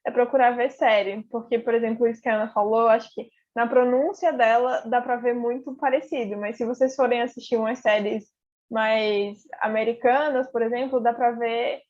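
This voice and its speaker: A young woman with a fairly high voice gives students study advice in a relaxed, encouraging tone. She fills her talk with casual fillers. The sound is dull and lo-fi. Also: normal speed. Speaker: English teacher. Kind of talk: casual online class explanation. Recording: dull lo-fi audio.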